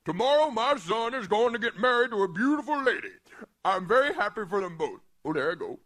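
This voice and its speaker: An actor playing a folksy older cartoon dad who tells rambling tall tales and shouts when angry. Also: male voice, high-pitched, very animated, a little fast. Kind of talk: animated cartoon voice acting.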